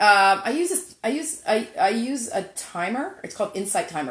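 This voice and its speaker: A woman talks at a fairly quick pace in a medium pitch, somewhat breathy, with very wide pitch swings. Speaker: educator and therapist. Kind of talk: casual interview chat. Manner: fast.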